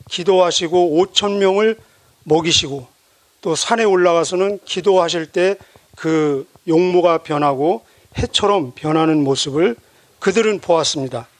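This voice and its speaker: A man preaching a sermon as pastor, measured and emphatic, asking rhetorical questions of his listeners. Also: high voice, no echo.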